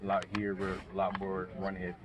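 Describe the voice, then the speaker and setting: A young man, a college quarterback, answering reporters outdoors in a soft-spoken way with many ums. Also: sits low, completely flat delivery, fairly quick, crowd noise. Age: young adult. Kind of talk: outdoor media interview. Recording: loud background noise outdoors.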